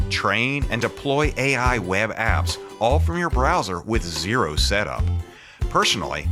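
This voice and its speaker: A man hosting a podcast, reading an introduction in an emphatic, punchy way. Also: fairly low pitch. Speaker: podcast host. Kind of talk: scripted upbeat introduction, then interviewing.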